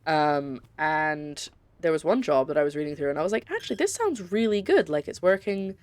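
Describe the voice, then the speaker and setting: A woman's voice: deep voice, lively intonation, brisk, darkish tone, clear, resonant tone. A young Scottish woman chatting casually while streaming a puzzle game, rambling and breaking off mid-thought. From Scotland. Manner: chatty, rambling, with frequent self-interruptions.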